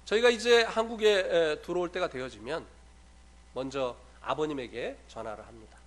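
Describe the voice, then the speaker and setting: A man's voice: on the high side, normal speed, fairly bright tone. A man, a former missionary, preaching an evangelistic sermon in a church, telling a personal story with frequent filler sounds and rising to emphatic passages. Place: church sanctuary.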